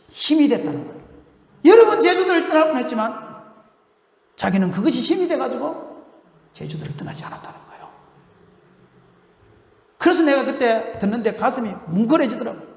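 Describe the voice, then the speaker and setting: An older male pastor preaching a sermon, telling stories with laughter and shouting the scripture lines. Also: very high-pitched. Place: church sanctuary. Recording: roomy hall reverb.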